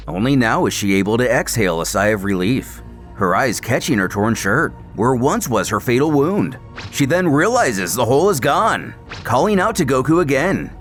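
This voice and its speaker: A man giving dramatic scripted story narration with expressive storytelling emphasis. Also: mid-range voice. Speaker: narrator of fan comic recaps. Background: background music.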